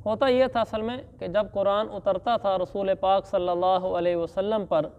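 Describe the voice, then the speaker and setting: Man, Quran teacher, high-pitched, slow verse recitation then explanation, reverberant hall. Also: steady tone, clean tone, narrow, tinny audio. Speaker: Islamic scholar teaching Quran commentary. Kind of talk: religious lesson in Urdu with Arabic recitation.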